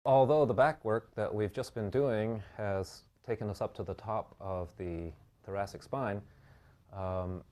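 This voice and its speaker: A man teaching a hands-on bodywork class, explaining each step calmly and guiding his client's breathing slowly. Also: fairly low pitch. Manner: calm, measured explanation with slow guiding instructions. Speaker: bodywork instructor.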